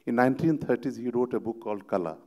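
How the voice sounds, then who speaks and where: A man interviewing an author on a festival stage, halting and repeating words as he asks long questions. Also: mid-range voice, mellow. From Madhes, Nepal. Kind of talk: literary panel interview.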